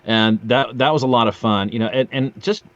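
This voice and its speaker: A man's voice: mid-range voice, fairly quick, fairly bright tone, dry recording, muffled recording. A middle-aged man chatting casually as a podcast guest, a joking storyteller who acts out little quotes. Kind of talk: casual interview chat.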